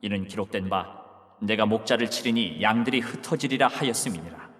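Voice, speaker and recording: An actor in an audio Bible drama playing a calm, solemn grown man who speaks with authority, in a measured, scriptural way. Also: on the low side, in a large hall, close to an everyday voice.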